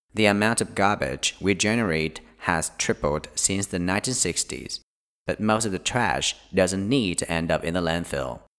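A man's very deep, low voice with vocal fry, lively intonation and a fairly slow pace, on a very clean recording with a silent background. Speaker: English-learning podcast host. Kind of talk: reading aloud.

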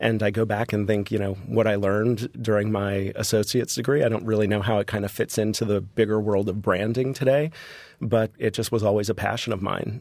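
A man with a fairly low voice talks at a fairly quick pace. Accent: American. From Florida. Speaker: corporate design executive and actor. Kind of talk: interview. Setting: studio. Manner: enthusiastic.

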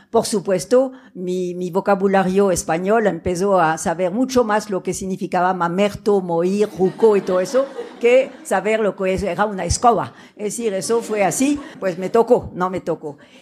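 Fairly slow speech with a French accent and ordinary pitch variation, over noticeable background noise. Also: woman. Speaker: columnist and feminist activist. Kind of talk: panel discussion before live audience. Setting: stage with audience.

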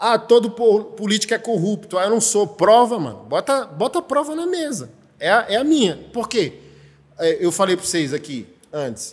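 This man's voice is high-pitched, swinging very widely in pitch at a moderate pace. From Northeast Brazil. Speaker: pastor and podcast host. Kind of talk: podcast interview.

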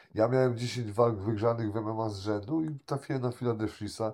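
The recording is very clean, with a silent background. A man speaks at a medium pitch and a moderate pace, with fairly even intonation. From Poland, West Pomerania (Stargard). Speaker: bare-knuckle fighter. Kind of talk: interview. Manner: halting.

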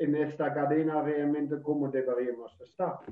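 A man with a German accent and fairly high pitch, in a monotone, flat intonation. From Germany. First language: German (speaking Spanish). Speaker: orthopedic technician. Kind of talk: casual interview.

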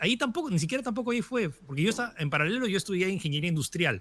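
Very wide pitch swings in a somewhat breathy male voice. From France. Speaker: video game critic. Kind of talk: interview.

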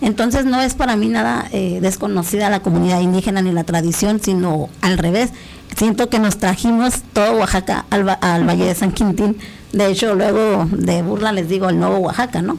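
A medium-pitched woman at a moderate pace, with ordinary pitch variation, very even loudness and noticeable background noise. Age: 20s. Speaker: guest, state congress adviser. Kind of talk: interview conversation.

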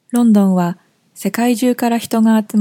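Somewhat breathy, a woman speaks in a dark, mellow tone with ordinary pitch variation. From Japan, Yamanashi Prefecture. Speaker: Japanese language teacher. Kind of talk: scripted narration. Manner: formal.

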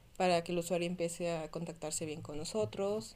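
A woman's fairly low voice with fairly even intonation in a central Mexican accent. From Mexico, Tlaxcala. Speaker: customer support team lead, electronics engineer. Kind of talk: interview.

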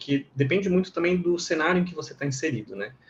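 A man's somewhat breathy voice at a very fast pace with ordinary pitch variation. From Brazil, interior of Santa Catarina. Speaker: CRM and customer insights manager. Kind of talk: podcast interview.

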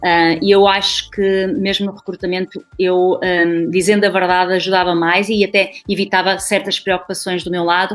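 In a European Portuguese accent, a woman talks at a moderate pace with hardly any pauses, her medium-pitched voice monotone and flat. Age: 40s. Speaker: real estate trainer. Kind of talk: interview. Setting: remote call.

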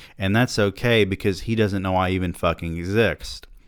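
A fairly low-pitched man in a Southern US accent, with ordinary pitch variation, on a very clean recording with a silent background. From US South. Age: 30s. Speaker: podcast host. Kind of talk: casual monologue.

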